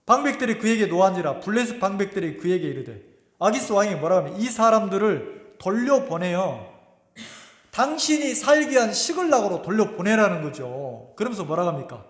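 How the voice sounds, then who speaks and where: A man's voice: high voice, very animated, a little fast. A man preaching a Sunday sermon as pastor. He retells scripture in dramatic voices and asks his congregation questions. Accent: Korean, Gimhae area. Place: church sanctuary. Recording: roomy echo with long reverb.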